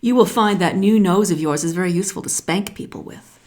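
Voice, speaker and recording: A woman voicing a knowing, smug snake in a children's story, speaking in a deliberate, instructive way. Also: lowish voice, darkish tone, natural voice. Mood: persuasive. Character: bicolored python rock snake, knowing, smug adviser.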